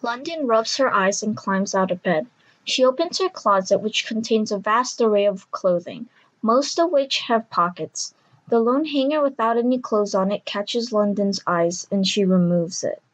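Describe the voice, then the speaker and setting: A woman's voice: mid-range voice, lively intonation, normal speed, rough recording. A woman reading scripted story narration for an audio drama.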